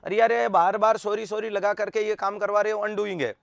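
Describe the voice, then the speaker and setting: A man teaching an online nursing exam lecture, energetic and quizzing students with repeated rhetorical questions. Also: high-pitched, fairly quick, creaky, clear, resonant tone, no room sound, clean studio sound.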